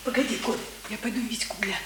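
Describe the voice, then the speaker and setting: A woman playing a tender, anxious village mother in a radio drama, speaking in a hushed, sighing, folksy way. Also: medium pitch, rapid-fire, very noisy, natural voice. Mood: hushed, fussing. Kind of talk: Soviet-style radio drama acting.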